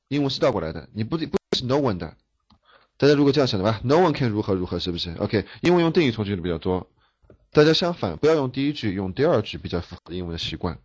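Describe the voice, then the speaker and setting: A man's voice: lowish voice, husky, lo-fi sound. A man teaching interpreting, explaining step by step, asking rhetorical questions and stumbling over repeated words. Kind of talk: classroom lecture.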